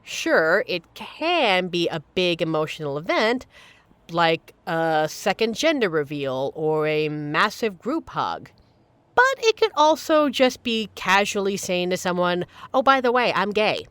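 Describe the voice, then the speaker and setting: A woman's voice: on the low side, big pitch swings, a little slow, fairly bright tone, clear, resonant tone, no room sound. A woman playing a supportive, playful young queer friend in an audio roleplay, talking casually and earnestly to reassure the listener. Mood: upbeat, encouraging.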